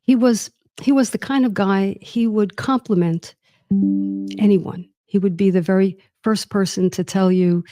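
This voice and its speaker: A woman's voice: medium pitch, steady tone, unhurried, dark tone, no echo, clean studio sound, soft background music. A middle-aged woman hosting a show, telling her family history in a wry, reflective personal monologue. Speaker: host.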